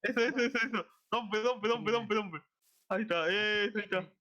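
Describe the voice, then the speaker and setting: A man's voice: high-pitched, steady tone, fairly quick, pushed and bright. A man playacting in a childlike, exclamatory way during game roleplay banter. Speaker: gaming streamer. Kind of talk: improvised Minecraft roleplay banter. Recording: dull lo-fi mic, music behind. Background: background music.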